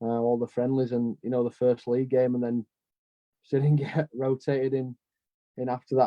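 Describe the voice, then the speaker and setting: At a fairly quick pace yet with long, frequent pauses, a man of medium pitch talks in a monotone, flat intonation. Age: 20s. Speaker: rugby league player. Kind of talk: casual interview. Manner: hesitant, many fillers.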